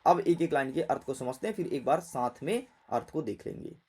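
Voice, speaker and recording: A male teacher giving a classroom literature lesson, talking straight to his students and firing quick check questions at them. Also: medium pitch, animated, a little mellow, breathy edge.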